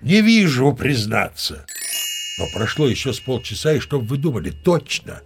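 An actor playing a pompous, easily irked sea captain who tells his yarn in a grandiloquent, expressive theatrical manner for an audio play. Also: mid-range voice, moderate pace, a little hiss or hum, natural voice.

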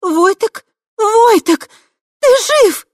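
A reader voicing a young red-haired sorceress who talks in a high, emotional, insistent way. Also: female voice, lively intonation, drawn-out words, no echo, studio quality, heavily acted. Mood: tearful.

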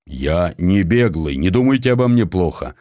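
A penniless, educated young wanderer, voiced by a male narrator, speaks with calm pride and courtesy. The voice is deep and the audiobook sound is dry. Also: moderate pace, no room sound. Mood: defensive.

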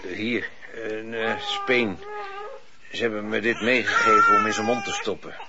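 A man playing an exasperated, desperate husband in a radio drama, halting and indignant. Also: on the low side. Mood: flustered. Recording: muffled, noisy old radio recording.

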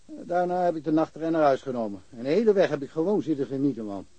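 A man's voice: on the high side, expressive, fast talker, dark tone, no room sound, muffled recording. An actor playing a chatty, wry small-town policeman in a naturalistic radio crime drama, rambling along with dry humour. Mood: dryly amused. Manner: rambling, dryly humorous. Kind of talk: naturalistic radio play dialogue.

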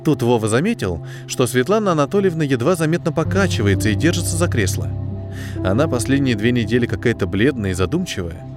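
A man narrating a science fiction story in an audiobook, with expressive, scripted delivery. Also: mid-range voice, quick pace. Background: background music.

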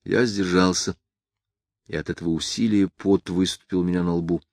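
A man narrating a first-person novel as an audiobook, in a measured, grave storytelling manner. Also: deep voice, steady tone, creaky, dry recording, clean studio sound.

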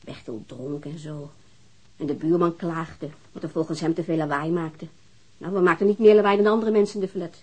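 A woman's voice: low voice, fairly quick, mellow, breathy edge. An actress playing a weary, defensive divorced mother, answering questions hesitantly in a naturalistic radio drama. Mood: defensive, aggrieved.

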